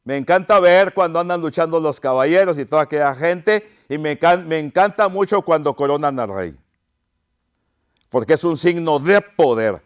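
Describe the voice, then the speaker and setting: A man's voice: on the high side, moderate pace, clear, resonant tone. A pastor preaching an impassioned sermon to his congregation, crying out pleas and calling them his brothers.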